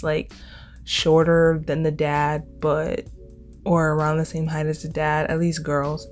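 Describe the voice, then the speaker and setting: A woman of about twenty hosts a casual podcast in a low-pitched voice. She takes her time, speaking informally and repeating words for emphasis. Music plays lightly underneath her talk. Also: darkish tone. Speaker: podcast host.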